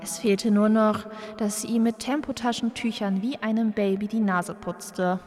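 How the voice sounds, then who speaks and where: An actress playing a narrator who voices a wife's indignant thoughts in an experimental radio play, with echoing reverb. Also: female voice, mid-range voice, steady tone, moderate pace, darkish tone, soft background music, lightly acted. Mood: indignant, incantatory.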